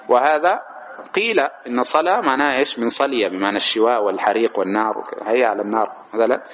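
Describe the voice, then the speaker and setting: Here an Islamic jurisprudence teacher goes line by line through a legal text, stopping to raise questions he then answers and showing both proper and mistaken pronunciations. His voice is medium-pitched and a bit bright, but the audio is dull with a little hiss or hum.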